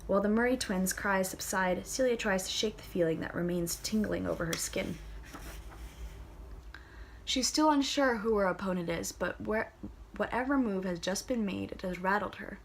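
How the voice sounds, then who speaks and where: A woman's voice: mid-range voice, moderate pace, a little hiss or hum, rough recording. A young woman reading a novel aloud, casual and enthusiastic, with chatty asides and small stumbles. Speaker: audiobook reader.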